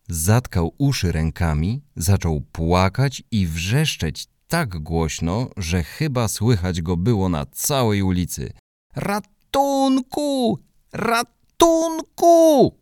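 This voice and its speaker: Deep-voiced man narrating a children's story. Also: no echo, studio quality. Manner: lively, expressive first-person storytelling. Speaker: audiobook narrator.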